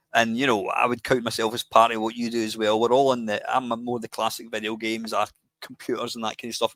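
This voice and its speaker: A man's medium-pitched, monotone, flat delivery in a Scottish accent at a very fast pace, with a dry, close sound with no echo and a very clean recording with a silent background. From Scotland. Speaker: podcast host. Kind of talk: casual chat. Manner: loud; talkative, interrupts.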